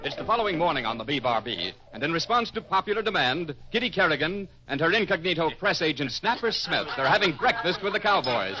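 An actor playing a jaunty narrator, announcing scenes in a 1950s radio serial. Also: male voice, a little high, sing-song, brisk, hardly any pauses. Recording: dull old radio recording, loud music.

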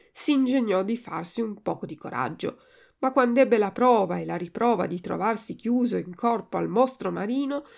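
A woman teacher reading a story aloud in a measured, deliberate way and giving word translations. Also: mid-range voice, vocal fry, darkish tone. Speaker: language teacher and reader.

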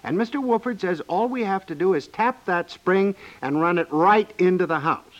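A man playing a chatty, excitable American house builder in a 1950s radio comedy, with a folksy, teasing manner. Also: high voice, normal speed, natural voice. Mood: gleeful. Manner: folksy, teasing, chuckling delivery. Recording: muffled 1950s radio broadcast.

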